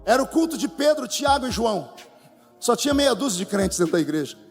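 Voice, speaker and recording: High-voiced pastor in a reverberant hall. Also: male voice, sing-song, brisk, vocal fry, soft background music. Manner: storytelling, mimics voices, sings phrases. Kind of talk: sermon testimony with acted dialogue.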